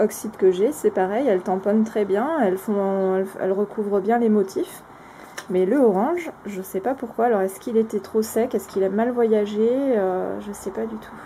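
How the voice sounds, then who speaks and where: A woman's voice: medium pitch, warm tone, a little hiss or hum. A woman casually reviewing craft products on camera, speaking frankly with lots of hesitant filler sounds and restarts. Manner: frank, plainly spoken opinions.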